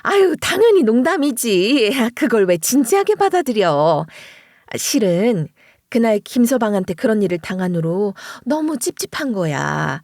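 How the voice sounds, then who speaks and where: A scheming, clingy mother-in-law presses and reproaches in a pushy, wheedling way, played by a woman narrator. The voice is slightly high and swings widely in pitch. The sound is dry and close. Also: sing-song, normal speed, a little mellow, no room sound. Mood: excusing.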